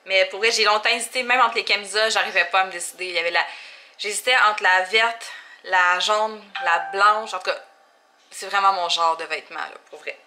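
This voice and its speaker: A young woman with a Québécois French accent, chatting casually in a vlog, often laughing and filling pauses. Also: mid-range voice, fairly even intonation, pushed and bright, slight background noise. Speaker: vlogger.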